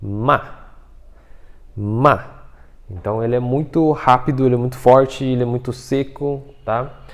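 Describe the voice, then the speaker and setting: A man's voice: medium pitch, fairly even intonation, a little fast, a little mellow. A man, patiently explaining pronunciation in a casual video lesson, checking in with "tá?" and "né?" as he goes. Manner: explains patiently, many fillers like "tá?" and "né?". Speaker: Mandarin teacher.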